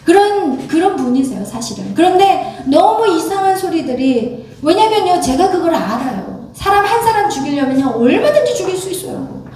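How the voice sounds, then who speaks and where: A woman pastor with a high, mellow voice preaches in a loose, storytelling way and often quotes her own words. She sounds distant from the mic, and her voice rings through a very echoey church hall. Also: very animated, moderate pace, hardly any pauses, slight background noise. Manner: conversational storytelling, quoting herself and her family. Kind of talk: sermon. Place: church sanctuary.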